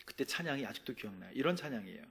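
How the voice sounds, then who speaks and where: A middle-aged man, a pastor, preaching a sermon with emotional storytelling that moves from soft whispers to loud, emphatic preaching. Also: mid-range voice, big pitch swings, racing.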